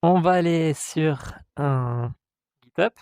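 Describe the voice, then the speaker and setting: Unhurried male tutorial host, hesitant, gravelly tone, dry recording. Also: fairly high pitch, dry recording. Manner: hesitant, many "euh" fillers, reads out codes step by step; voices the software in playful mock dialogue. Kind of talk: screen-recorded tech tutorial.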